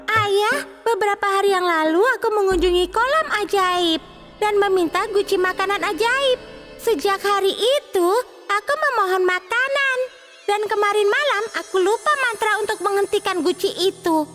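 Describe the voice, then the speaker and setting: A woman's voice: very high-pitched, moderate pace, fairly bright tone, soft background music. A woman voicing a greedy, impulsive little princess with a childlike, pleading manner in a children's fairy tale cartoon. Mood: confessing.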